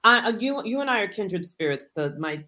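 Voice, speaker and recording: A woman's voice: medium pitch, big pitch swings, brisk, sharp tone. A woman podcast host interviewing a guest, enthusiastic and rambling in her questions with many fillers, over a video call. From United States. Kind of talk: casual interview.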